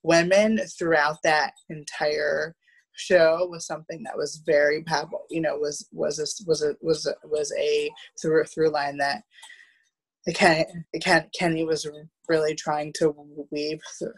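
A woman in her thirties chatting casually on a video call, halting and often repeating words as she goes. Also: deep voice, level tone, breathy edge, rough recording. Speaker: theatre producer, panel guest. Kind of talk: casual roundtable chat. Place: room at home, on a video call.

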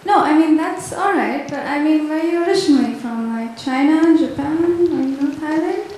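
A woman's voice: high-pitched, moderate pace, a little mellow, a little hiss or hum. A young woman acting a prying, condescending stranger in a staged dialogue, speaking into a handheld mic on a stage. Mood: friendly. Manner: breezy, condescending questioning. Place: large wooden-walled hall. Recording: roomy hall sound from a distance.

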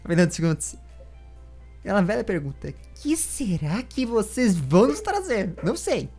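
A Brazilian-accented man in his twenties hosts his channel's online interview and chats casually with viewers from a small room lined with bookshelves. His high voice is very animated, a little mellow and slightly rough, at a moderate pace, picked up close by a large studio mic with soft music in the background.

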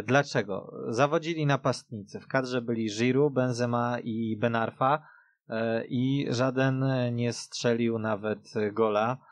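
Male sports radio host, conversational, mid-pitched, recorded dry. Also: no echo. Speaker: radio host moderating a football discussion. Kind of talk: casual sports radio discussion. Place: radio studio.

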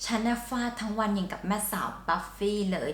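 With a medium-pitched voice and a fast pace, this channel host and song translator casually explains lyrics and slang, keeping things chatty and playful. The room she's in is echoey.

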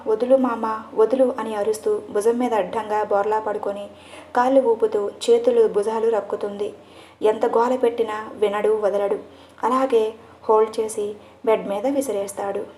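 A woman narrating a romance story in a lively, expressive reading. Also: medium pitch. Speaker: audiobook narrator. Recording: echoey room.

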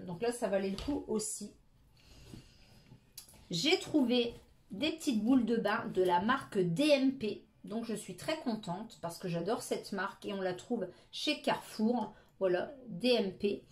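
A woman's voice: on the high side, a little mellow. Middle-aged woman, casual haul vlogger, chatty with many hesitations, echoey room. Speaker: beauty vlogger.

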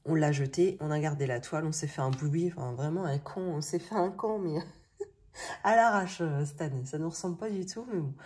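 A woman in her thirties with a French accent chats casually, thinking aloud in colloquial speech with a slightly rough morning voice. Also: low-pitched, moderate pace, darkish tone. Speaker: budgeting video host. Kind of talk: casual chatty vlog narration. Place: indoors at a table. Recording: noisy home recording with clicks.

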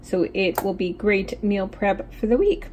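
In her home kitchen, a young woman films a meal prep vlog on her phone, chatting casually and slipping into baby-talk with her cats. Her voice is medium-pitched and darkish, a little slow. A household appliance hums faintly behind her.

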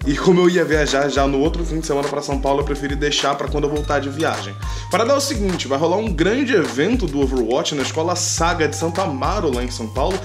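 Young brazilian guy vlogger, slightly high voice, slangy casual chat, music really loud behind him. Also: lively intonation, quick pace. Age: young adult. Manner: informal, slangy vlogger delivery. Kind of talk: casual vlog chat to camera. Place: indoor room, then bus station and rest stop. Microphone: handheld action camera at arm's length.

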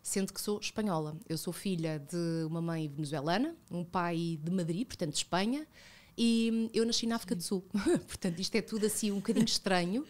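A woman's voice: lowish voice, brisk, darkish tone. Reflective Portuguese woman guest in studio. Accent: European Portuguese. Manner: reflective, frequent fillers and self-corrections. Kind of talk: casual conversational interview. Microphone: studio boom mic with headphones.

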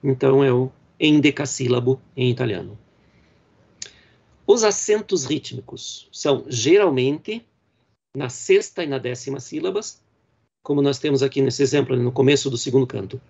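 A male professor from Brazil giving a university lecture on poetry, explaining patiently with frequent fillers and reading verse lines slowly. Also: medium pitch, lively intonation, creaky, darkish tone, muffled recording. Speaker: literature professor.

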